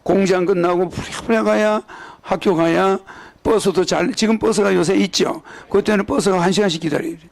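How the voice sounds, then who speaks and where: A man's voice: high voice, fairly even intonation, normal speed, vocal fry. An older man with a Gyeongsang accent, preaching a sermon as a religious leader in a rambling way, often checking in with his listeners through tag questions. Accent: Gyeongsang Korean. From Gyeongsang region, South Korea.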